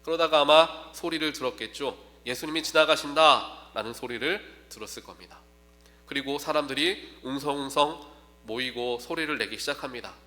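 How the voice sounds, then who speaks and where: A man preaching an early-morning sermon in a bright, forward voice pitched a bit high for a man. He talks earnestly and draws his words out as he voices the pleading cries in the text. A faint electrical hum sits under the recording. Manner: earnest, slows and rises when quoting cries. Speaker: pastor. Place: church.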